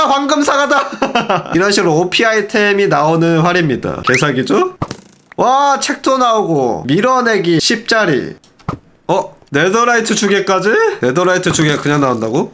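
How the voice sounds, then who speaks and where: A young man giving excited, playful gaming commentary, often shouting and laughing. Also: on the high side, a little hiss or hum. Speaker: gaming YouTuber.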